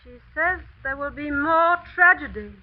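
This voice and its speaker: A woman's voice: high voice, expressive, slight background noise. A woman playing an unhinged woman who claims to hear a dead girl's prophecies, speaking in an intense, ominous way, in 1940s radio drama style. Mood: eerie, ominous. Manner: eerie, intense, slow and ominous. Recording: muffled 1940s radio broadcast.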